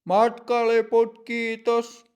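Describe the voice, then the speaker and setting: A man's voice: very high-pitched, monotone, clean tone, pitched above the performer's own voice. A man voicing a firm, stern ticket inspector in a short lesson dialogue.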